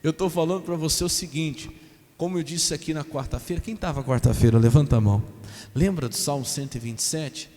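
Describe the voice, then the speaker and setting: A man's voice: on the high side, brisk, dark tone, long reverb tail. A man, a pastor preaching a sermon and putting questions to the congregation. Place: church.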